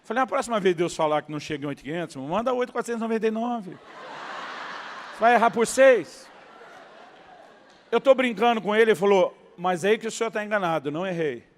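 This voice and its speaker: Animated Brazilian pastor in a reverberant hall. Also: male voice, high voice, rapid-fire, few pauses, a little hiss or hum. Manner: animated storyteller, acting out dialogue, laughing at punchlines. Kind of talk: sermon storytelling.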